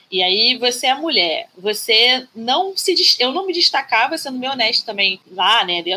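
A woman with a high voice speaks at a fairly slow pace, her pitch swinging very widely, over noticeable background noise. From Brazil, Rio de Janeiro suburbs. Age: 30s. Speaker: history master's student and beauty content creator. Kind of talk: casual interview chat.

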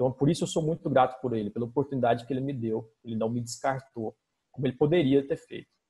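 A man's somewhat breathy, very fast speech, with fairly even intonation and a dry, close sound free of echo. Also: medium pitch for a man. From Brazil, interior of Goiás. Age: 30s. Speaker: marketing and sales professional. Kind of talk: casual interview chat.

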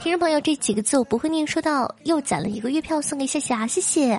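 A woman speaks in an animated, playful tone. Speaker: podcast host. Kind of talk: casual solo podcast talk. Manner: animated, playful with frequent laughter.

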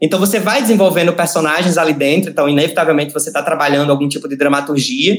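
A man with a fairly high pitch talks at a very fast pace with hardly any pauses. His pitch variation is ordinary. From Brazil, Natal (Rio Grande do Norte). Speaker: screenwriter. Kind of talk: casual chat.

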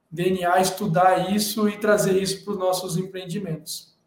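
The man's high-pitched voice stays in a monotone, flat intonation. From Brazil, Campinas (São Paulo state). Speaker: civil engineer. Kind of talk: interview.

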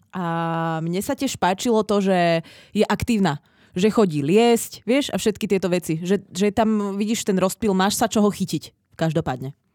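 A woman speaks in a plain, everyday voice at medium pitch, with ordinary pitch variation and a moderate pace. The very clean recording has a silent background and a dry, close sound with no echo. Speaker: podcast co-host. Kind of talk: casual chat.

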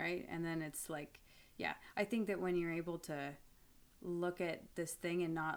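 A woman with a Canadian accent speaks at a moderate pace in a plain, everyday voice, her fairly low pitch and fairly even intonation captured in a very clean recording with a silent background. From Fredericton, New Brunswick, Canada. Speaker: musician. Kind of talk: casual chat. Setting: studio.

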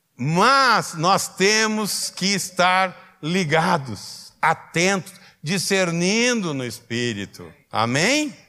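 A man's high voice with a bright, sharp tone, very wide pitch swings, a very slow pace and hardly any pauses. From southern Brazil, Porto Alegre area. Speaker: pastor. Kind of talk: sermon.

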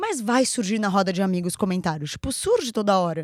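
In a dry, close sound with no echo on a very clean recording with a silent background, a woman speaks at a medium pitch and a fairly quick pace with lively intonation. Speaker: podcast co-host. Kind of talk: casual chat. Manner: fast today.

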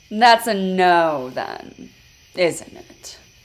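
A female-sounding voice puts on a drawling character voice at a medium pitch. The recording is very clean, with a silent background.

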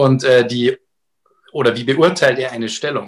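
A man uses a normal speaking voice, moving at a moderate speed with ordinary pitch variation. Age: 40s. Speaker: fund manager. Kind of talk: interview. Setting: video call.

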